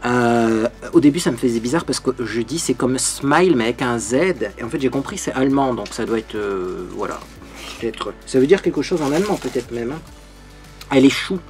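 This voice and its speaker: A mid-range male voice with lively intonation, slightly fast and slightly mellow, leads a makeup tutorial over soft music. The beauty vlogger is bubbly and chatty, peppering his speech with "hein."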